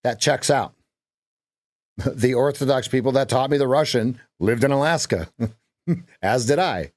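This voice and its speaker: A man's voice: medium pitch, measured pace, a little mellow. A man with a mid-range voice hosts a live day-trading stream from his desk. He talks loosely to his chat and doubles up his words as he follows the charts. The sound is dry and close, with little room echo. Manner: chatty, repeats phrases, talks to chat.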